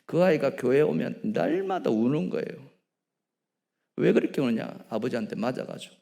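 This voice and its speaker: A man preaching a sermon as a pastor, animated and emphatic, often asking his congregation questions and dropping to quieter asides. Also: mid-range voice, moderate pace, vocal fry, in a large hall. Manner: asks the congregation frequent questions. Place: church sanctuary.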